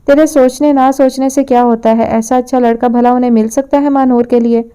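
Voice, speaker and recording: A woman reading an audio novel, voicing a sharp-tongued, scheming middle-aged mother who scolds and scorns. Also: a little high, steady tone, clear, resonant tone, natural voice. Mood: scornful.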